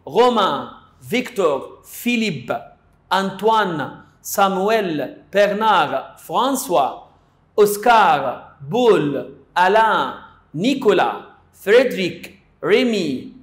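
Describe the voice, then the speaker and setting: A man with an Egyptian Arabic accent giving a playful, casual French lesson, explaining slowly with little stories. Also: high voice, roomy sound. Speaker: French teacher.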